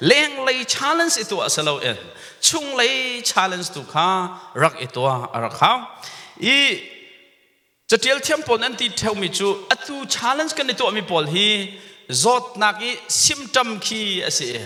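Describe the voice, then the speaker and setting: Man, pastor, sermon, animated pitch, sharp tone, church reverb. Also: measured pace. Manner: mixes English words into his preaching. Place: church sanctuary.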